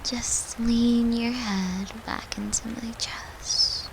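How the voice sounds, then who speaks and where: Tender, slow-talking devoted girlfriend, acted by a woman. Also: a little high, fairly even intonation, a little hiss or hum, full character voice, rough recording. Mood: tender, soothing. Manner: tender, soothing, coaxing, slipping into breathy murmurs. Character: devoted human girlfriend, tender, playful, fiercely protective occultist. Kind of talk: intimate comfort audio roleplay.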